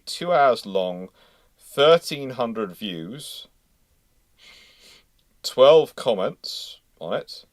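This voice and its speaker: The host of this naval history livestream is a lowish-voiced man, recorded at studio quality with no room sound. Thinking aloud, he chats casually and rambles.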